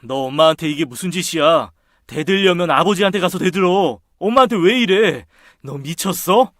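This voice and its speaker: A man's voice: a little high, animated, normal speed, dry recording, clean studio sound, natural voice. A man playing a scolding older brother. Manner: scolding, sharp. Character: protective, hot-tempered older brother.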